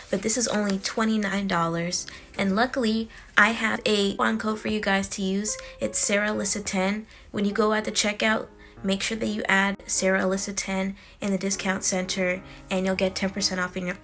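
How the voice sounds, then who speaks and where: A woman giving a sponsored product read in a steady, matter-of-fact way. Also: medium pitch. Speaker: beauty vlogger.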